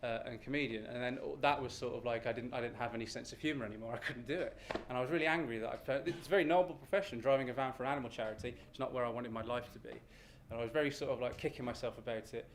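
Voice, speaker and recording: A British man telling an animated, ranting comic story live on stage, exasperated, self-deprecating and sweary. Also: medium pitch, very fast, hardly any pauses. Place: live storytelling event with room ambience. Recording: noisy live venue recording.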